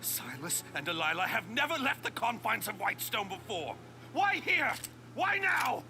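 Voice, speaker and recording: A man voicing dramatic characters in an animated fantasy adventure. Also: high voice, moderate pace, gravelly, heavily acted. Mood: cold fury. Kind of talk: animated series acting. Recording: loud soundtrack music over dialogue.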